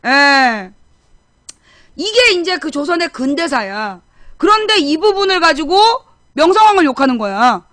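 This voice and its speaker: A woman's voice: sits high, big pitch swings, a little slow, a bit bright, no echo, clean studio sound. A middle-aged woman hosting a current affairs talk show, explaining history casually and bluntly, firing off rhetorical questions.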